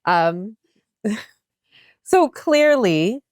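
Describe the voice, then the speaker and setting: A woman's voice: medium pitch, very animated, darkish tone, dry recording, clean studio sound. A woman co-hosting a podcast who laughs often and teases her co-host in casual chat. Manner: laughs often, teasing, drawn-out phrasing.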